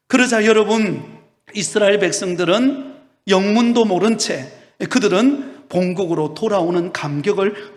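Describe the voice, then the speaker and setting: A man preaching a sermon as a pastor, addressing his congregation emphatically with rhetorical questions in a church. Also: high voice. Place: church sanctuary during Sunday service. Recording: long reverberation of a large hall.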